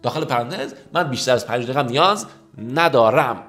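A man teaching an English lesson. He reads the English phrases slowly, then translates them in quick, soft-spoken asides. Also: mid-range voice, animated. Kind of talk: language lesson.

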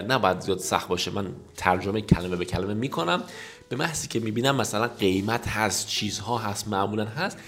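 A man whose first language is Persian, teaching English phrases in a casual lesson, reading example lines slowly and explaining them quickly. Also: fairly low pitch. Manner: explains rapidly in casual Persian, addressing viewers as kids.

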